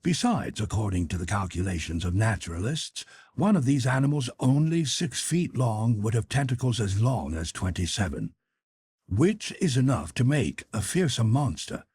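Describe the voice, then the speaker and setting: A male audiobook narrator with a markedly husky voice and animated intonation. He reads literary prose in a measured, expository way, recorded dry and close. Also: lowish voice, no echo. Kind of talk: scripted literary narration in first person.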